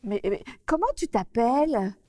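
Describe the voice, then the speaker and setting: A woman's voice: on the high side, animated, measured pace, dark tone, in a large hall. Woman doing a fretful, squealing storybook girl. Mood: fretful flustered. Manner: exclaiming, stammering, talks to the children. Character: fretful young woman with a flower on her nose. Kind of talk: children's television storytelling.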